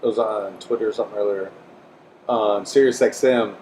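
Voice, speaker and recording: A man's voice: on the low side, fairly even intonation, brisk, darkish tone, roomy sound, a little hiss or hum, poor audio. A Midwestern American man hosting a comedy podcast in a casual, rambling way, laughing often and repeating his words. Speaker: podcast host.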